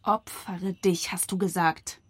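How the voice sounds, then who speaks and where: A woman's voice: lowish voice, steady tone, takes it slowly, noisy background. A woman playing a resentful activist who confronts a friend, speaking in a pointed, accusing way in radio drama dialogue. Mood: bitter.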